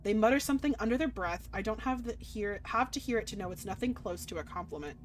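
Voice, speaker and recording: A woman game streamer reading a visual novel aloud dramatically and adding casual, expressive commentary. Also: mid-range voice, fast, noisy background. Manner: expressive, reactive.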